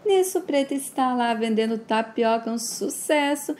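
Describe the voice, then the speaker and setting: A woman's voice: on the high side, expressive, moderate pace, a little mellow. A Brazilian woman retelling a soap opera episode in a plain, conversational way. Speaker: narrator. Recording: roomy echo.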